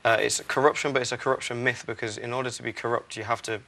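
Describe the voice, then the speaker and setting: A young man from Barbados, founder of a charity, answering interview questions earnestly with many "uh" pauses. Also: medium pitch, level tone, vocal fry, bright, forceful tone. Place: TV studio.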